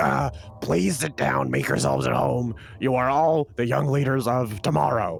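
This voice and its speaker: Over light background noise, a man does a raspy put-on character voice at a fairly low pitch and moderate pace, with very wide pitch swings and very even loudness. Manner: put-on, theatrical.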